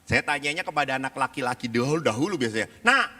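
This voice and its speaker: A man, a Catholic priest, giving a lively seminar talk and acting out the voices in his stories. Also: mid-range voice, racing. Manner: animated storyteller, acts out quoted voices. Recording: reverberant hall.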